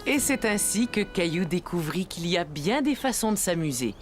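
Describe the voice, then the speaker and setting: Woman narrator with a lowish voice. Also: big pitch swings, normal speed, over music. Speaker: storyteller narrator. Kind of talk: scripted children's story narration.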